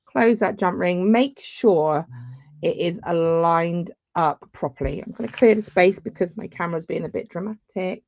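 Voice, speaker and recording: Woman, low voice, chatty beading tutor on a dull, dry lo-fi stream. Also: moderate pace, gravelly, darkish tone, dry recording. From England. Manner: chatty, rambling asides. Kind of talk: live craft tutorial.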